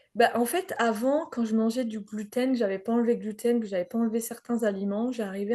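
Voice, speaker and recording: A woman speaks at a fairly quick pace in a fairly high pitch. Her tone is dark and mellow, with ordinary pitch variation. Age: 30s. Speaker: hypnosis client. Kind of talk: therapy interview. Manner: halting.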